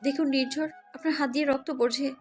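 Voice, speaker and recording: A woman's voice: high-pitched, steady tone, quick pace, faint music behind, close to an everyday voice. A woman playing an angry, defiant young wife who scolds indignantly in a romantic audio story. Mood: angry, stern.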